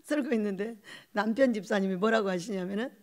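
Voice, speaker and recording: A woman pastor preaching a sermon in an animated way, acting out quoted voices and laughing often. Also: mid-range voice, quick pace, noisy background.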